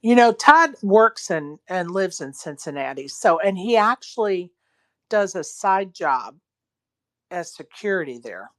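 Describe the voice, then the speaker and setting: A woman's voice: lowish voice, very animated, measured pace, no room sound. A woman chatting casually and loosely, with conversational filler phrases. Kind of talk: casual chat in a live online audio room.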